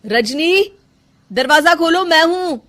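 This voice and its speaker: A woman voicing a caring young husband in a cartoon story, with a soft, coaxing way of talking. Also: very high voice, expressive, takes it slowly, voice pushed up, heavily acted. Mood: pleading. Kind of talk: cartoon voice acting.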